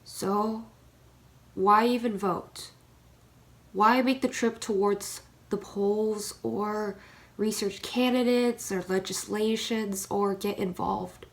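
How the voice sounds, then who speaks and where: A woman giving serious, deliberate scripted narration in a readers theater performance. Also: mid-range voice, steady tone.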